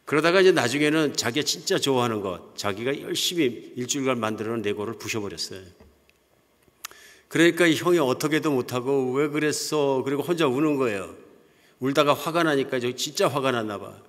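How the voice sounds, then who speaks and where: A man's voice: mid-range voice, expressive, brisk. An older man, a pastor, preaching a sermon in a conversational storytelling manner. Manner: conversational, anecdotal storytelling with soft chuckles. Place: church sanctuary. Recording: long hall reverb.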